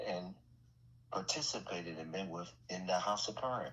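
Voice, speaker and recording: A man speaks at a fairly slow pace with a very deep, low pitch and ordinary pitch variation. Audible room echo surrounds his voice. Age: 60s. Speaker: former church member. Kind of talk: casual chat. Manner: halting.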